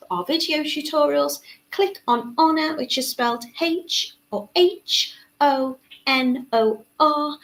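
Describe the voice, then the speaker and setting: A woman's voice: a little high, poor audio. A woman hosting a live beading tutorial in a chatty way. She reads out viewer comments and uses many fillers. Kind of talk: live-stream tutorial chat.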